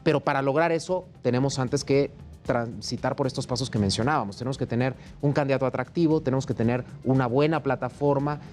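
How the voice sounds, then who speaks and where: A man from Mexico, a political guest on a panel show, arguing his points in an emphatic, steady way. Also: mid-range voice, fast talker, faint music behind. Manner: emphatic, argumentative. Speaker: opposition party politician guest.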